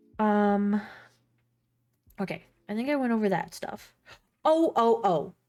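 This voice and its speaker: In an American accent, a woman with a fairly high pitch speaks fairly slowly with an animated tone and lively intonation, leaving long, frequent pauses. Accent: New York accent, comes out on some words. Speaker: streamer. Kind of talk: casual chat. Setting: live stream.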